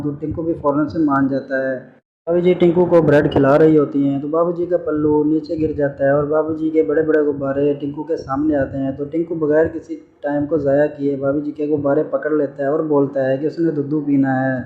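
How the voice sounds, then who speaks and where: A man's voice: on the high side, narrow, tinny audio. A man narrating a story recap in a casual, chatty way, talking straight to his viewers as friends. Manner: chatty, addresses listeners as brothers and friends. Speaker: channel narrator.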